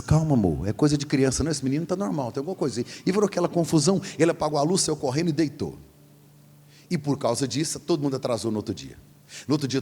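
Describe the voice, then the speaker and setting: A man in his forties preaching a storytelling sermon as pastor, animated and acting out the voices in his story. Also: medium pitch, breathy edge. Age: 40s. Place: large church hall. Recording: long hall reverb.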